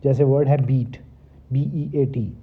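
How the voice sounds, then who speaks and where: A middle-aged man teaching a recorded lesson at an unhurried, deliberate pace. He spells out each English rule word by word before explaining it calmly. The sound is thin and narrow, like a phone line. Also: mid-range voice, slightly rough. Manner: reads English rules slowly word by word, then explains them in a relaxed way. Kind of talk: recorded classroom lecture. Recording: tinny phone-like lecture recording.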